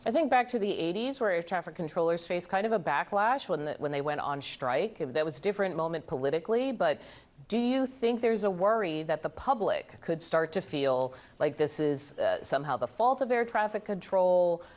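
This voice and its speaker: A woman with a notably low voice anchors a live news interview. She puts questions to her guest in a conversational broadcast register. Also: darkish tone.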